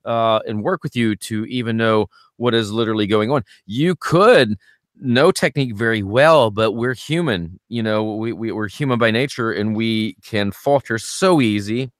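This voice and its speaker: Animated male vocal coach, low and dry. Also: moderate pace, dry recording. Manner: animated, acts out students' complaints in a higher voice. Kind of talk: casual podcast chat.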